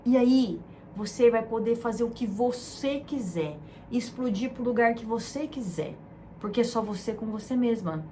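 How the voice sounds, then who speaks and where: A woman from Brazil hosting a self-help talk, speaking in a soft, soothing, emotive way that repeats words. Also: on the high side, animated, moderate pace, a little hiss or hum. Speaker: self-help channel host. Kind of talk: gentle motivational talk.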